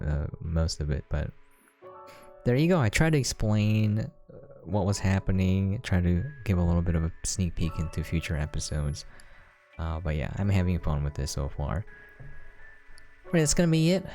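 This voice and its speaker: A man's voice: sits low, warm tone. A man giving casual, unscripted gameplay commentary as a channel host, talking in a rambling, chatty way. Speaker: video game reviewer and channel host. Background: background music.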